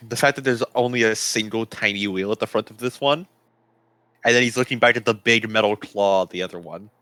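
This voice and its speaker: A man's voice: lowish voice, fairly quick, a bit bright, no echo. A man playing a tabletop game, casually narrating what his character does.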